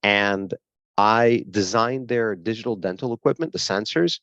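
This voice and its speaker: A man's voice: fairly low pitch, a little slow, fairly bright tone, dry recording, dull audio. A man in his forties with a Brooklyn accent, telling his life story as an interview guest, with many fillers and laughs. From grew up in Brooklyn, New York. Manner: frequent fillers, laughs while telling stories.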